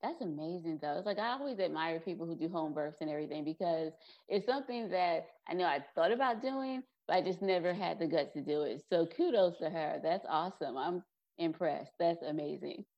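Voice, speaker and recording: Gravelly-voiced woman on dull audio. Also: on the low side, lively intonation. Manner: encouraging, quick to praise. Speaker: podcast host. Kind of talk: casual interview chat.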